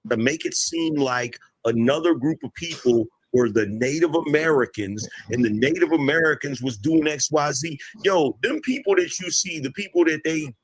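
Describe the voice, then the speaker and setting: A man's voice: a little high, moderate pace, hardly any pauses, husky, no room sound, rough recording. A man on a discussion panel, arguing insistently and emphatically, repeating his points. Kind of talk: heated panel debate.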